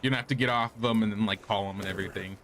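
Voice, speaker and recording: A man's voice: fairly low pitch, steady tone, racing, fairly bright tone, a little hiss or hum. A man giving casual, rambling gameplay commentary as a streamer, thinking aloud as he goes. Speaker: game streamer. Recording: game music behind. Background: game music.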